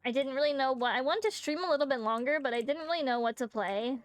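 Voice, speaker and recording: Casting: a playful woman game streamer, high voice, dry close mic, faint music behind. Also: quick pace, no echo. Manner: joking, rambling, many fillers. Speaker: VTuber streamer. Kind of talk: casual game-stream chat.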